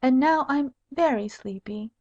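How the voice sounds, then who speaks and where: A pert young noblewoman, played by a woman reader, high and girlish in tone. She has the sly, coaxing manner of a storybook daughter, heard on a slightly dull recording. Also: measured pace, a little mellow. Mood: pert, haughty. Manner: girlish, coaxing, haughty when teased. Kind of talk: humorous storybook character voice.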